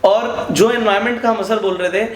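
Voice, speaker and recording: A young man hosts a chat, talking in an animated way and switching easily between Hindi and English. His voice runs high, and the room around him gives off a noticeable echo. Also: brisk, slight background noise. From India. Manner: animated, mixes Hindi and English, eager agreement. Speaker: host, stock market educator. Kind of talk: casual interview chat.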